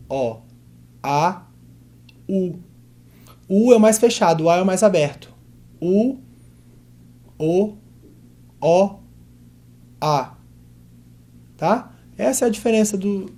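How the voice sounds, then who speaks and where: Brazilian-accented vocal coach, warm and dark-toned, clear step-by-step explanations with spoken demonstrations. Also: medium pitch. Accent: Brazilian Portuguese. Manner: explanatory, demonstrates vowels and drill syllables aloud. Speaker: voice teacher. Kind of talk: vocal technique lesson.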